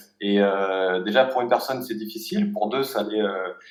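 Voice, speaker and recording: Against audible room echo, a man with a fairly low pitch speaks at a moderate pace with ordinary pitch variation. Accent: southern French. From southern France, Aix-Marseille area. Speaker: freelance UI designer. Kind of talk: podcast interview. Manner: hesitant, many fillers.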